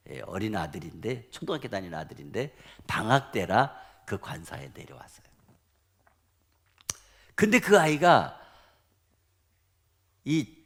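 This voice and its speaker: A middle-aged male pastor preaching a sermon, telling stories in an animated way that swings between loud outbursts and quiet asides. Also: on the low side.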